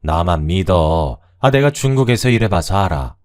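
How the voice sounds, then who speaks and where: A man's voice: sits low, expressive, moderate pace, clear, resonant tone, faint music behind. A man playing a self-assured, coaxing business partner who is a swindler, in a radio story. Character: smooth-talking swindling business partner, middle-aged man.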